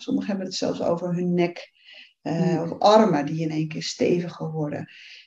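This woman has a fairly low pitch and a dark, mellow tone. She talks at a moderate pace with ordinary pitch variation. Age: 50s. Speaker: menopause specialist, sociologist. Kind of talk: interview, explaining.

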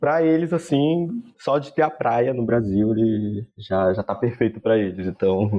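At a fairly slow pace, a man speaks at a medium pitch in an ordinary speaking voice. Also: lively intonation. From northern Brazil, Macapá. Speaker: film student, photographer. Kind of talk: casual interview chat.

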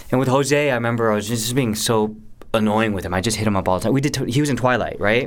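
Talking at a very fast pace in a Californian accent, a man uses a medium pitch, with audible room echo around him. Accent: Californian American English. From Orange County, California. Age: 30s. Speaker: actor and filmmaker. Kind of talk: interview. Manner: casual.

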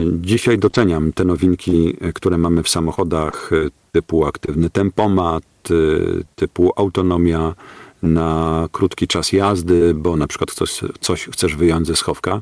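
Very deep and low, a man's voice comes at a fairly slow pace with monotone, flat intonation and a dry, close sound with no echo. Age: 50s. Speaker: voice-over narrator. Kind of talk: casual chat.

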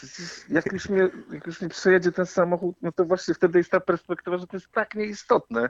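A high-pitched man's voice in a dry, close sound with no echo. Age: 40s. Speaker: musician. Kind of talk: casual chat. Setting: remote line.

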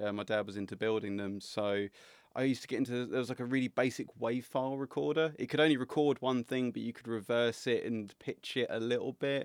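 Recorded very cleanly with a silent background and a dry, close sound with no echo, a man talks at a fairly quick pace. His pitch is medium, with ordinary variation. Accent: southern English. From England, Bedford. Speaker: recording engineer and producer. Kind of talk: casual interview. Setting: recording studio.

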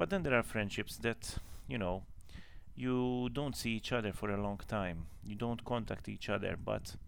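In a room with audible echo, a man speaks at medium pitch and a moderate pace. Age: 40s. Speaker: basketball coach. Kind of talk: recorded monologue.

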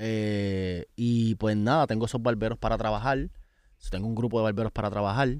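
An unremarkable speaking voice from a man, moderate in pace, fairly even in intonation, in a very clean recording with a silent background. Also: medium pitch for a man. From Puerto Rico, Coamo. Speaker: videographer and barber. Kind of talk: casual interview chat. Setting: studio.

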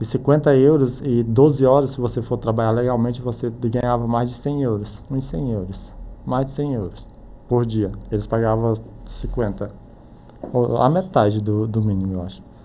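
A man with a plain, everyday voice speaks at medium pitch and a fairly slow pace, with ordinary pitch variation. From Brazil, Parauapebas (Pará). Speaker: film and TV extra. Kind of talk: casual interview chat.

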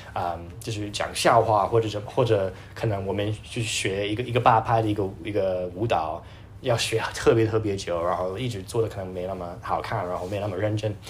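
A man talks at a fairly quick clip in a fairly low pitch, his intonation fairly even, with audible room echo and noticeable background noise. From US, Seattle. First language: English (speaking Chinese). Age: 20s. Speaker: talent show contestant and English teacher. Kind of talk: podcast interview. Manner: hesitant, many fillers.

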